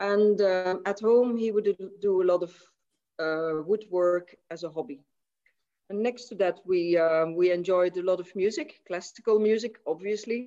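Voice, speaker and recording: A woman speaks at moderate pace with a Dutch accent. Her tone is dark and mellow, with medium pitch and ordinary pitch variation. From Netherlands, Limburg (Maastricht). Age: 50s. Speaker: art conservator. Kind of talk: interview.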